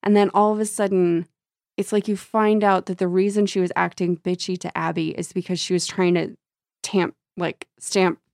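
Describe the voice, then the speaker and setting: A woman with a gravelly, husky, tired voice, casually discussing books in blunt, slangy, sweary language. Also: on the low side, level tone, normal speed, a little mellow, dry recording, clean studio sound. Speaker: book discussion show co-host.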